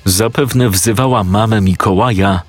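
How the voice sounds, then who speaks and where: A man narrating a horror story in a measured, storytelling manner. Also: lowish voice, soft background music.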